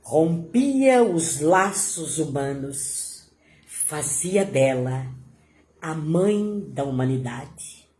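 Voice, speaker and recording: A woman telling a devotional story in a slow, dramatic, emotional way. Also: deep voice, expressive, warm tone, a little hiss or hum. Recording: roomy echo.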